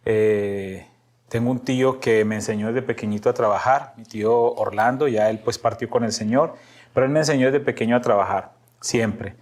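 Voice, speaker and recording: A middle-aged pastor from Medellín with a Colombian Paisa (Antioquia) accent tells stories of his life in a relaxed interview. His voice is lowish and darkish at a moderate pace, and he laughs often, repeats his words, and voices quotes as he narrates.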